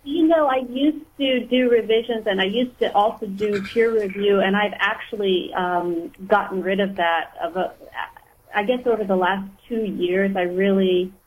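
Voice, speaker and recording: A woman's voice: mid-range voice, normal speed, lo-fi sound. A woman author and writing teacher, a guest on a radio show, talking casually and restarting her sentences often. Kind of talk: casual radio interview talk. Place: radio studio.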